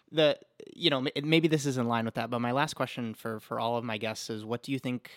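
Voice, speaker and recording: This man has an unremarkable speaking voice, a medium pitch and a fairly quick pace. The recording is very clean with a silent background, and the sound is dry and close with no echo. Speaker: podcast host and chef. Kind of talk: interview.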